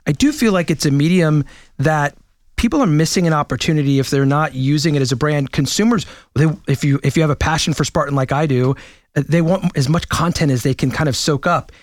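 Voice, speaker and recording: Fast-talking enthusiastic male podcast host. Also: on the high side, no echo. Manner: enthusiastic, chatty, with frequent restarts. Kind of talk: podcast interview. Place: New York studio.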